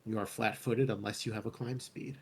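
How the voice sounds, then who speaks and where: Wry man playing, over rumbling noise. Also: fairly even intonation, a little fast, gravelly, a little mellow. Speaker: tabletop game player. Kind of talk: casual game-table chat. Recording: noticeable low rumbling background noise.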